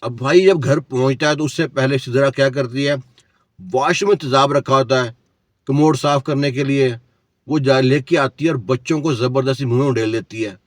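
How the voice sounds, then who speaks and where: A man's voice: mid-range voice, steady tone, dry recording, studio quality. A man telling a cautionary story in a preachy, lecturing way, asking the listener rhetorical questions. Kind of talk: moralizing storytelling.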